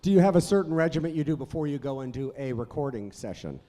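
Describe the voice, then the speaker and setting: A man's voice: mid-range voice, animated, fast, warm tone, in a large hall. A man moderating a convention panel, asking the guest questions in a conversational way.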